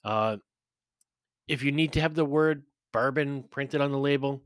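A man's voice: medium pitch, measured pace, no room sound, clean studio sound. A man hosting a podcast, giving a blunt, chatty whiskey review with profane, mocking asides. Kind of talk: casual spoken review.

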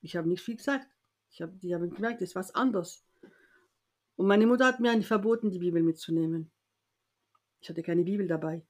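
A woman from France, interviewed, tells a personal story in a lively way, acting out the voices of the people she quotes and often restarting her sentences. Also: lowish voice, fairly quick, long pauses.

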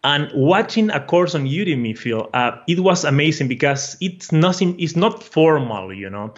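Brazilian man, eager, halting English. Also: on the high side, lively intonation, muffled recording. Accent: Brazilian Portuguese. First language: Portuguese. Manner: eager, repeats words while searching for phrasing. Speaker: guest, online course creator. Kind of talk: casual interview talk.

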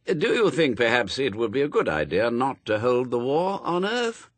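A man's voice: medium pitch, big pitch swings, normal speed, dry recording, pitched above the performer's own voice. A man voicing a fussy, anxious, polite angel bookseller in a storybook, prim and flustered, with stammers. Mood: nervous, flustered.

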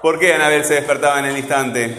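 A man's voice: fairly high pitch, fairly even intonation, quick pace, crowd noise. A male teacher who teaches a class and keeps repeating his questions to prompt his students. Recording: echoey hall, faint background noise.

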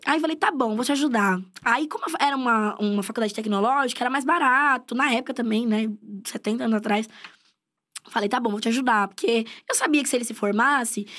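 A young woman with a high, quick voice tells a personal story in casual chat. She jumps between narrating and acting out the people in it, keeping a lively storyteller's rhythm. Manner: animated storytelling with quoted voices. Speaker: guest storyteller.

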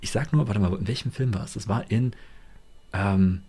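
A man chatting casually and telling stories in a relaxed way. His voice is lowish and gravelly, with a husky edge. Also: normal speed. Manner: relaxed, laughing, storytelling. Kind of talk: casual chat.

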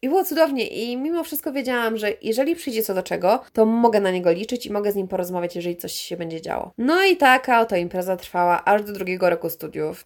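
A young woman with a mid-range voice tells her own story straight to her viewers. She sounds candid and chatty and keeps turning to talk to them directly. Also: medium pitch. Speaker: vlogger.

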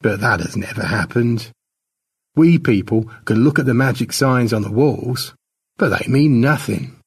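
A man plays a tribal elder passing a sad legend down to the young. The telling is solemn and simple, with pitch that swings widely and a creaky, husky grain. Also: expressive, measured pace, distant mic, full character voice. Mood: earnest teaching.

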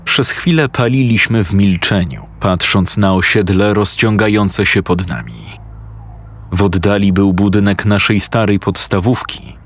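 A man narrating a horror story in a measured first-person tone. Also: deep voice.

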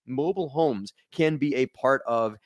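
A man hosting a podcast, talking to viewers and his guest in an energetic, casual way with quick restarts. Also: mid-range voice, no echo. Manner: energetic, talks fast with restarts and asides to viewers. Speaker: podcast host. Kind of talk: casual podcast monologue and interview.

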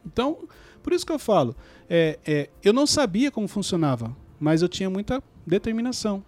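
A man's voice: high-pitched, fairly quick, soft background music. A man, telling stories from his own life as a podcast guest and acting out past conversations. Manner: animated, acts out remembered dialogue. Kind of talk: storytelling in a podcast interview.

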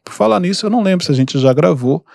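A man with a Brazilian Portuguese accent hosting a podcast, giving easygoing, calm advice in a casual, explanatory way. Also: sits high, quick pace, creaky, no room sound, studio quality. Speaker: podcast host and mentor.

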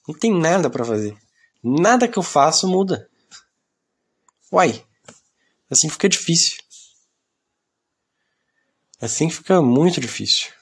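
A man's voice: a little high, big pitch swings, unhurried, pauses often, slightly rough. A young man, rambling through a solo podcast into a phone in a self-mocking, complaining way that often trails off into mumbles. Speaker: podcast host.

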